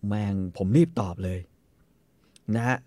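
A man casually retelling a story on a podcast, animated and laughing often. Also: takes it slowly, no room sound.

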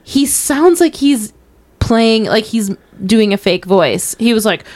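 A woman's voice: on the high side, expressive, takes it slowly, a little mellow. A woman co-hosting a podcast, chatting casually and opinionatedly with lots of fillers. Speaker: podcast co-host. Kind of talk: casual film review chat.

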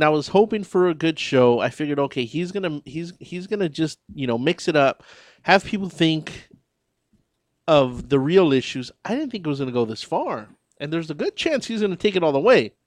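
A man's voice: fairly high pitch, very animated, moderate pace, no echo. An American man co-hosting a talk radio show, joking and sarcastic in casual banter. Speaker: co-host.

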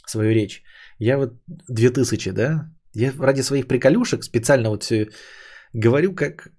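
A man's voice: mid-range voice, warm tone. A man hosting a casual solo podcast, rambling and joking, who mangles words on purpose for fun. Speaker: podcast host.

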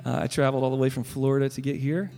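A man's voice: mid-range voice, little pitch movement, faint music behind. Earnest Southern man between worship songs. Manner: earnest and gentle, with frequent pauses. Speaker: guest worship leader. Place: church sanctuary. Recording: long reverb from a large church hall.

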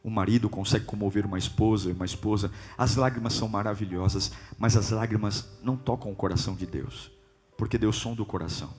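A man preaching a sermon with passion, going from loud outbursts to hushed, low passages. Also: fairly even intonation, quick pace, faint music behind. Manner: impassioned, swinging from loud to hushed.

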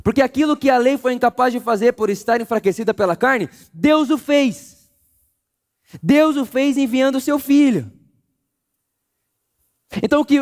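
A man's voice: extremely high pitch, big-room sound. A man preaching a sermon with a Brazilian Portuguese accent, full of impassioned rhetorical questions. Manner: impassioned, rhetorical questions, acts out inner voices.

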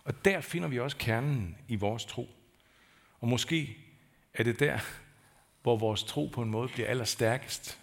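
A man's voice: mid-range voice, creaky, pauses often. A man preaching a sermon in a church, talking in a conversational, searching way that builds to emphatic peaks. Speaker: pastor.

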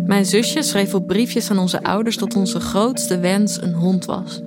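An actress playing a detached, introspective woman who narrates her own story in a deadpan, reflective way for an audio drama. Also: medium pitch, natural voice. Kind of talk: scripted first-person audio drama narration. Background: music.

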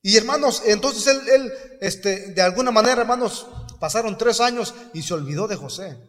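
A man's voice: sits high, lively intonation, normal speed, a bit bright. A man preaching a sermon in a church, telling a story and acting out the quotes, calling out to the brethren again and again. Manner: storytelling with acted quotes, repeats "hermanos" often. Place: church hall. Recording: long echo of a hall.

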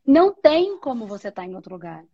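A woman's voice: fairly high pitch, big pitch swings, quick pace, muffled recording, a crowd in the background. A woman talking about spirituality, reflective, often asking questions and answering them herself. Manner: reflective, asks and answers her own questions. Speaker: spiritual teacher. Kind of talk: spiritual conversation.

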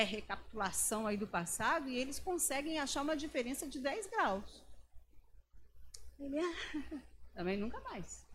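A woman preaches a sermon in a chatty, storytelling way, often checking in with tag questions. Her voice sits a little high for a woman. A faint hiss of noise lies under the recording. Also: fairly bright tone.

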